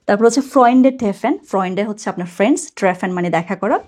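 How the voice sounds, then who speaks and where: A woman's voice: mid-range voice, expressive, fast, a little mellow, husky. A woman teaching German from a textbook, chatty, explaining words step by step and correcting herself as she goes.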